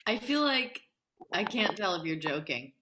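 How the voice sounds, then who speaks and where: A woman's voice: mid-range voice, very animated, a little slow, background noise. A woman playing an indignant, proud young male grad student with cutting sarcasm in a dramatic table read. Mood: incredulous.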